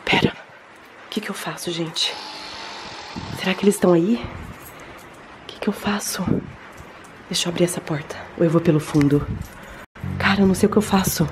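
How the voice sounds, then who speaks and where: A Brazilian woman, a mother, narrating a dramatized family vlog in an anxious, hushed manner that turns frantic. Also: fairly low pitch, fairly even intonation, a little fast, pauses often, noisy background. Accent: Brazilian Portuguese. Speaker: vlogger and mother.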